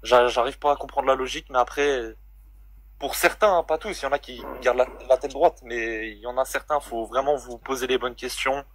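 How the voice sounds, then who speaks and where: A man's voice: medium pitch, fairly even intonation, fairly quick, a bit bright. Blunt indignant man calling in. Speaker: caller on a live stream. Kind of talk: casual live-stream chat.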